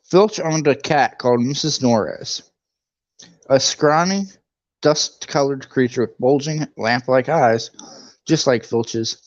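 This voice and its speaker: A man's voice: mid-range voice, slow pace, no echo, dull audio. A man reading a book aloud for a live read-along, chatty, with jokey asides.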